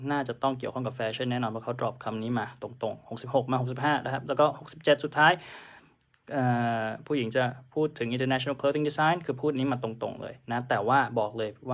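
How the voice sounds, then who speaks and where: A male test-prep teacher talks through answers in a chatty live lesson, dropping English terms into his explanations. His voice has a gravelly edge at an everyday pitch.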